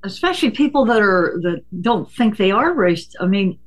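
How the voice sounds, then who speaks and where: A Native American man hosting a casual radio talk, speaking haltingly with many fillers and hesitations. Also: sits high, very animated.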